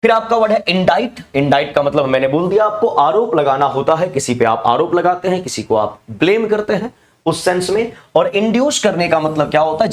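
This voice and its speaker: A man teaching for a teachers' exam, explaining in Hindi and reading phrases slowly. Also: a little high. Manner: explains in Hindi, reads English slowly and spells words out. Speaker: English teacher. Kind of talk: exam-prep lesson.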